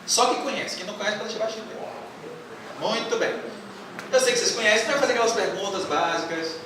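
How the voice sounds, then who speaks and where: A man's voice: high voice, quick pace, bright, forceful tone. A man giving a religious lecture to a live audience in a large hall, playfully quizzing the listeners. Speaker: spiritist lecturer. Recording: echoey hall from far off, faint noise.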